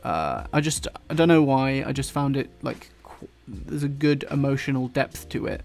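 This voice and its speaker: A man with an English accent softened by London, chatting casually and rambling while he draws, swearing now and then and dropping his t's. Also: mid-range voice, expressive, normal speed, vocal fry. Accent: English, London-influenced. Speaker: YouTuber drawing on stream. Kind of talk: casual chat while drawing.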